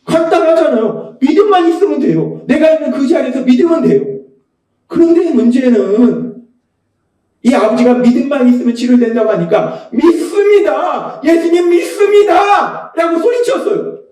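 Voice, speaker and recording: A man preaching a Sunday sermon as pastor, emphatic and repeating key phrases, sometimes rising to shouts. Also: very high voice, big pitch swings, normal speed. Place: church sanctuary. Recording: echoey church hall, mic at a distance.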